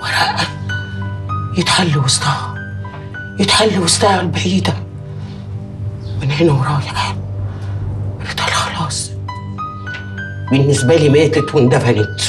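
An actress voices a stern, grieving mother in middle age who barks orders at her children. Her voice sits at an ordinary pitch. A prominent music score swells beneath her. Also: normal speed, long pauses, natural voice. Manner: commanding, harsh. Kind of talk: TV drama acting.

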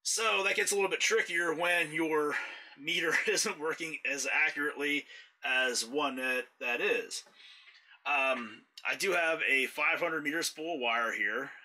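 A man with a very bright, sharp-edged voice walks through a repair job in a workshop. He talks in a relaxed, explanatory way while his hands are busy with the tools. The delivery is casual and patient. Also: fairly high pitch, measured pace, rough recording. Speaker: mower repair technician. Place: indoors, workshop floor.

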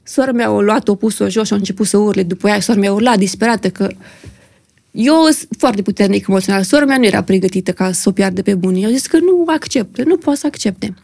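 Young woman with a gravelly voice telling a dramatic story. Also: mid-range voice, a little mellow, dry recording, clean studio sound. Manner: vivid, dramatic retelling, acting out what others said. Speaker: podcast guest. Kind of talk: emotional personal storytelling in conversation. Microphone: podcast studio microphone.

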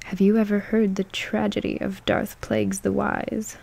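Breathy, gravelly whispering woman, giggly. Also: medium pitch, little pitch movement, moderate pace, a little mellow. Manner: giggly and playful, drifting into whispers. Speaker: ASMR channel host. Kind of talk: soft-spoken ASMR meme reading.

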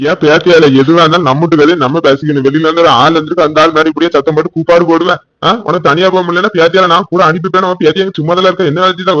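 A nagging old village grandmother from a cartoon, voiced by a man, fussing over everyone in a fairly high voice. She speaks in a Tirunelveli Tamil accent. The track is dry and dull. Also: a bit bright, no room sound, natural voice.

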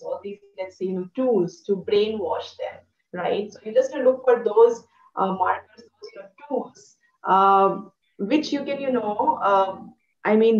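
A young woman, lecturing thoughtfully on a video call with many fillers. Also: mid-range voice. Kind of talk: academic discussion on a video call. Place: room indoors. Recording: echoey, distant, muffled video call audio.

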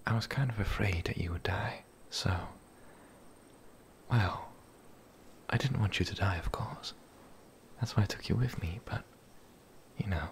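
A man playing a lonely, gentle, shy young werewolf in a whispered ASMR roleplay, speaking breathily, softly and haltingly. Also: slight background noise. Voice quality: breathy whisper, low and creaky. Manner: hesitant, halting, soft-spoken.

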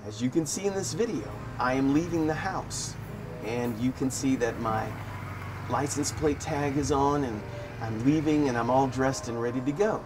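A man chatting in a relaxed, wry and amused way as he tells everyday stories for his vlog. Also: mid-range voice, normal speed, music in the background. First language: English. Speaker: vlogger. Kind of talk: casual storytelling vlog. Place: living in Thailand.

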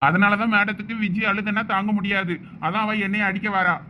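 A young man voicing a village husband and his teasing friend in a comedy drama, with quick chatty banter and worried asides. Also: high voice, level tone, highs cut off, very noisy, lightly acted. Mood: pleading.

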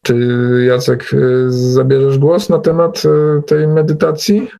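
Halting man with a creaky voice. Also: on the high side, dark tone. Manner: hesitant, halting, with many drawn-out filler pauses. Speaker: host of an online group meeting. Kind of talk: informal online meeting talk. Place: online video meeting.

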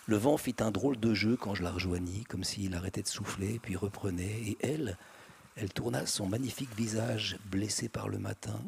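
Male reader, low gravelly voice, unhurried literary reading with hesitations. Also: a little mellow, a little hiss or hum. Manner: slow, deliberate, with pauses and hesitations.

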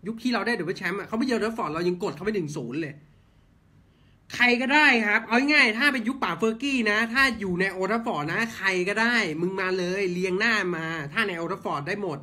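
A man's voice: high voice, expressive, quick pace, sharp tone, husky. A man ranting blunt football commentary, heated and swearing, firing off rhetorical questions. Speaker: football fan channel host.

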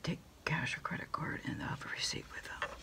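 A middle-aged woman in a quiet ASMR roleplay as an order taker, murmuring in a halting, breathy whisper. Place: small indoor room at a desk.

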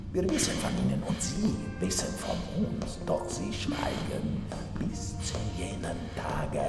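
A sinister, creaky-voiced mad doctor. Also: male voice, low-pitched, heavily acted. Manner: theatrical, drawn-out menacing phrasing, swinging from whispers to shouted incantation. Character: mad cultist doctor, grandiose, sinister, gloating villain. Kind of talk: German horror audio drama acting. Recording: reverberant hall, music behind.

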